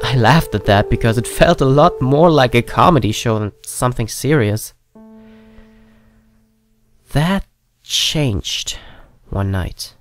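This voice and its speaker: A man's voice: medium pitch, dry recording, studio quality. A man narrating a scripted first-person horror story as if recalling memories. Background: prominent piano and keyboard music.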